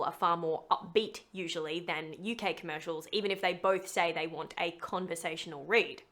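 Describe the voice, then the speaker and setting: A woman's voice: fairly low pitch, fairly bright tone. A woman giving a scripted tutorial in a chatty, emphatic way with some self-deprecating humour. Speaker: voice actor teaching how to make a demo reel. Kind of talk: scripted tutorial narration to camera.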